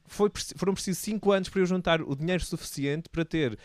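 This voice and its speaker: A man with a European Portuguese accent giving a casual personal account in a halting, reflective way. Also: sits high, no echo. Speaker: video producer turned entrepreneur.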